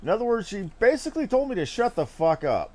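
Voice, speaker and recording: A man giving casual commentary as he streams a game. His voice is on the high side and swings expressively. He is wry, blunt and irreverent. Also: very animated, fast talker, a little mellow.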